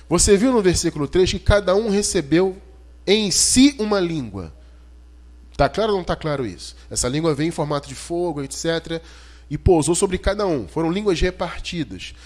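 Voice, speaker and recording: Brazilian guy preaching, kinda high voice that goes way up and down, explains scripture like a teacher, asks the listeners stuff. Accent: Brazilian Portuguese. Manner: emphatic and didactic, with rhetorical questions to listeners. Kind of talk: expository sermon, teaching scripture verse by verse.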